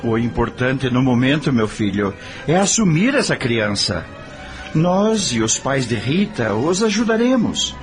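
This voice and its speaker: Solemn Brazilian father, expressive delivery. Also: medium pitch, unhurried, music in the background. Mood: earnest, firm. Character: repentant, earnest father and husband in middle age. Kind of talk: radio drama acting.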